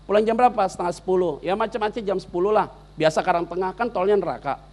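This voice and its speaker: A man preaching a sermon, telling stories in chatty slang and acting out both sides of conversations. He swings from quiet asides to loud, excited bursts. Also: sits high, fast talker, a little hiss or hum. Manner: acts out both sides of dialogues. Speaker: pastor.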